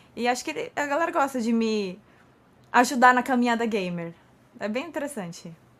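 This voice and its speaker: A woman with a high voice talks at a fairly quick pace and with lively intonation, stopping often for long pauses. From São Paulo, Brazil. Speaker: streamer and model. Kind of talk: casual chat.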